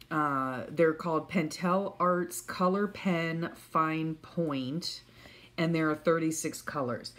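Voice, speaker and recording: A woman with a low voice chats casually to her viewers as a vlogger. Her pace is unhurried and meandering, with a folksy, hesitant way of talking. She sounds congested and sniffly. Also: slight background noise. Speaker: vlogger showing stationery. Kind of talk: casual rambling chat. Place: at home.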